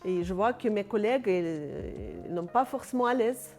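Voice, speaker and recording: A woman's voice: medium pitch, expressive, moderate pace, music in the background. A Russian-born woman speaking as an interview guest, with a Russian accent and simple, direct phrasing as a non-native speaker. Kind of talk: casual interview chat.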